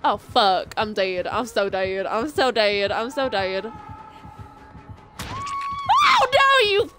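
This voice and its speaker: A woman giving casual gameplay commentary, jumpy and quick to laugh, swearing often. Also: medium pitch, faint music behind. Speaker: gamer.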